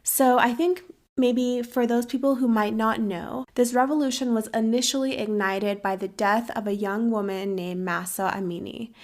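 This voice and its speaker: Earnest, fairly high-voiced woman host. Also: fairly even intonation. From United States. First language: Farsi. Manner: earnest, measured, serious. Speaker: podcast host. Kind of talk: earnest interview and commentary.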